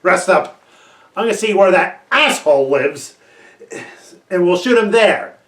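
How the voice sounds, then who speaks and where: A performer voicing an angry, scheming crew boss in an amateur fan film, shouting and cursing orders. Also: medium pitch, lively intonation, unhurried, roomy sound, distant mic.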